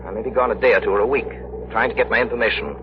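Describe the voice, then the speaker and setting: An actor playing a calm, commanding crime-fighting detective in a 1930s radio drama. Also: male voice, on the low side, natural voice. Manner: authoritative, measured. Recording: hissy muffled 1930s radio broadcast.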